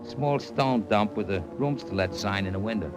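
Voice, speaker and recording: A man's voice: fairly low pitch, moderate pace, natural voice. A man playing a brash Hollywood agent. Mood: frantic. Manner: slangy, excitable. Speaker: talent agent. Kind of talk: 1940s radio acting. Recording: old radio drama with music.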